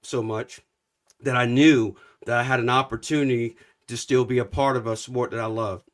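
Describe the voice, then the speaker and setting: A middle-aged man who coaches, talking on a live show. He tells his story steadily and plainly, with an ordinary middle pitch. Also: fairly even intonation, normal speed. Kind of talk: casual conversation on a live show.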